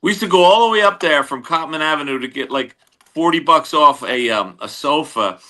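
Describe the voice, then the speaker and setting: An older man from talks as a podcast guest. His voice sits a bit high and comes out bright and forceful, and he tells stories in quick, lively, joking runs. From Philadelphia, United States. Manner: quick, lively storyteller, jokey. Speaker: guest, radio comedian. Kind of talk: casual chat.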